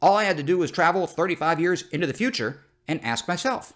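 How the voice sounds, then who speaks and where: Animated man as a parody news anchor. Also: on the high side, fast. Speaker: satirical news show host. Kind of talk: scripted comedic news commentary.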